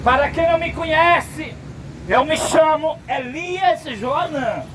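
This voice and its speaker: A man with a Brazilian accent preaching an emphatic open-air sermon that rises into shouts. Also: very high-pitched, slow pace. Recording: distant mic, loud street traffic.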